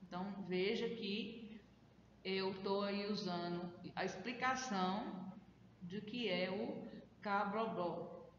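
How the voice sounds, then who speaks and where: A woman's voice: medium pitch, slow, a little hiss or hum. A woman schoolteacher with a Brazilian Portuguese accent giving a remote lesson, explaining step by step and often checking in with her students. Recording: very echoey room, dull lo-fi sound.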